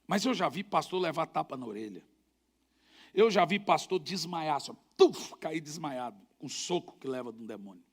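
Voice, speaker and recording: High, bright-voiced storytelling male preacher. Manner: emphatic, humorous anecdotes. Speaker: pastor. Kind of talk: storytelling sermon.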